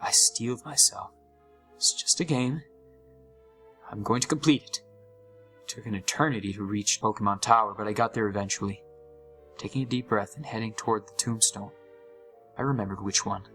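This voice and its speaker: A man's voice: lowish voice, normal speed, pauses often, fairly bright tone, faint music behind, close to an everyday voice. A young man playing an uneasy gamer who narrates a scripted horror story with dramatic, suspenseful delivery. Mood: disturbed, suspenseful. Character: uneasy young male gamer recounting a haunted game.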